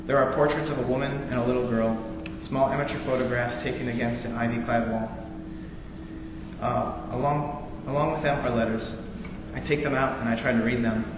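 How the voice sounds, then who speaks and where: A young man, a student veteran, reads a war novel aloud in a steady, earnest voice. The recording is dull and lo-fi, with a long hall reverb behind him. Steady noise sits under his voice. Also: mid-range voice. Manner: halting intro with many fillers, then steady earnest reading. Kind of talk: live reading of a novel passage. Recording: roomy echoey hall, dull lo-fi sound, noisy.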